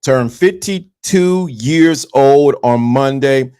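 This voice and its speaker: A livestream host in his fifties gives his viewers a motivational talk, speaking to them directly and preaching as he repeats his key points. His mid-range voice is slow and mellow with a clean tone.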